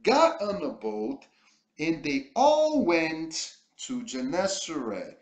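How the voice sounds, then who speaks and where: A man with a Brazilian Portuguese accent, a native Portuguese speaker, teaching an English lesson, reading sentences slowly and then translating and explaining them. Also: fairly high pitch, big pitch swings, roomy sound. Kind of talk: recorded language lesson.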